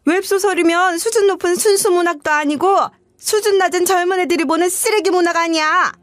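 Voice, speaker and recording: A woman's voice: steady tone, a little fast, no echo, clean studio sound. A woman voicing a haughty, scornful middle-aged future mother-in-law who belittles and scolds. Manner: sneering, belittling, shrill scolding.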